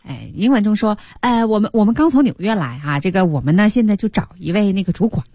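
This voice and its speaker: A woman's voice: medium pitch, lively intonation, fast, no room sound, dull audio. A woman co-hosting an English lesson on the radio, chatting, agreeing and summing up points. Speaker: radio co-host. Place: radio studio.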